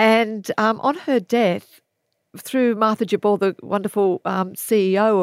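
An Australian accent in a dry, close sound with no echo, on a very clean recording with a silent background. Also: woman. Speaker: retired police superintendent. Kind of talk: interview.

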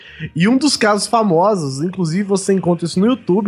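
A man's high-pitched voice with ordinary pitch variation, over noticeable background noise. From Brazil, São Paulo interior. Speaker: podcast host. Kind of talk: casual chat.

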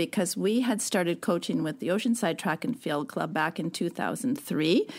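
On a very clean recording with a silent background, a woman with a Canadian accent talks at a fairly quick pace, her pitch swinging very widely. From Canada, Winnipeg. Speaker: retired track and field coach. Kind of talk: interview.

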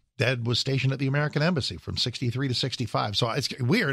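The recording is very clean with a silent background, and the man's voice carries vocal fry. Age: 60s. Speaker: radio talk show host. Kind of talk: talk radio monologue. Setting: studio.

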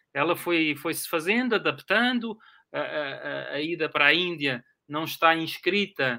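A man is speaking. His pitch sits fairly high. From Portugal. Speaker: historian and author. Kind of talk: interview. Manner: halting, many repetitions.

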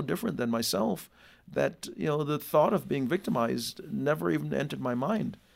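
A man of medium pitch speaks very fast with vocal fry. The recording is very clean, with a silent background. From Jamaica, moved to New York at eight. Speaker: pastor and author.

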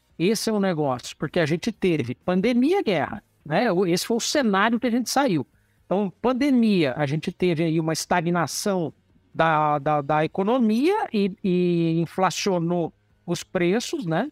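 A man talks at a fairly slow pace with a high pitch and lively intonation. His loudness is very even, and the sound is dry and close with no echo. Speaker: agronomist and farmer. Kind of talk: interview. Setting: remote call. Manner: passionate.

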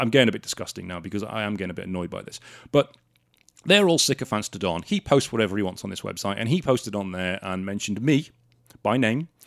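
A man with a Welsh accent and a fairly low pitch, very fast, with lively intonation and big swings in loudness. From South Wales. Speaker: podcast host. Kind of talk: solo monologue storytelling. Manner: halting, frequent repetitions.

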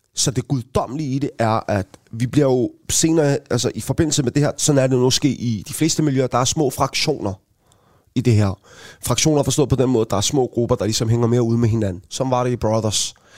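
At a fairly quick pace, a man talks at a medium pitch with ordinary pitch variation, an unremarkable speaking voice. The sound is dry and close, with no echo. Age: 30s. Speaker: former gang member turned entrepreneur and author. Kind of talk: interview. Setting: live event at a book fair.

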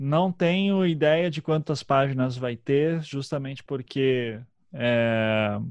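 Very slow speech from a man, his pitch fairly high, with ordinary pitch variation. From Curitiba, southern Brazil. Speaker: podcaster and journalist. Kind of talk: casual interview.

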